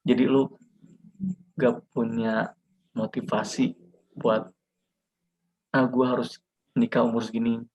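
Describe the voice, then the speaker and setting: A man, a podcast guest, talking in a relaxed, reflective, slangy casual chat. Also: medium pitch, slow pace, pauses often, breathy edge. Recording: dull lo-fi sound.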